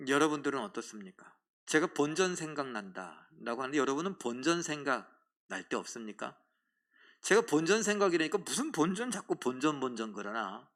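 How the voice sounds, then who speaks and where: A middle-aged man preaching a sermon as pastor, lively and animated, acting out the voices of churchgoers in a church sanctuary. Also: on the high side.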